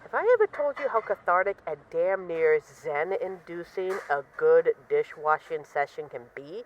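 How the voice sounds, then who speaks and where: A woman's voice: lowish voice, lively intonation, normal speed, lo-fi sound, slight background noise, lightly acted. A woman acting as a bored, restless mafia boss who misses a partner, talking in a wry, dramatic, rambling way in an intimate voice-message roleplay. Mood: restless, venting.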